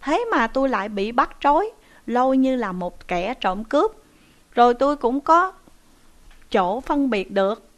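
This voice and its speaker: A woman's voice: fairly high pitch, very animated, unhurried. A woman voicing a pleading captured traveler. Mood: earnest. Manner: urgent, pleading. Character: male traveler caught as a thief, pleading.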